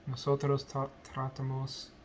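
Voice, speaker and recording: A man whose first language is English, speaking in a halting vlog as a learner, full of pauses, ums and self-corrections. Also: medium pitch, monotone, darkish tone, a little hiss or hum. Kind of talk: halting unscripted speech practice.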